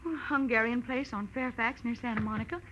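High, bright, sassy dame. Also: female voice, brisk, dull audio, slight background noise. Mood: testy, casual. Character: sassy, worried hard-boiled dame, flirty with detective. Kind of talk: 1940s radio detective drama acting.

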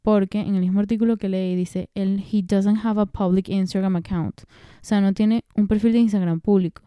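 Dark-voiced woman podcaster. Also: medium pitch, fairly even intonation, normal speed, clean tone, no echo. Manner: chatty, digressive, laughs often. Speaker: podcast host. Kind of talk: casual chat.

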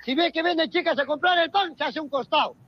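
A man with a Peruvian Spanish accent doing a rowdy street comedy routine, shouting punchlines and acting out dialogue. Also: extremely high pitch, fast talker, muffled recording.

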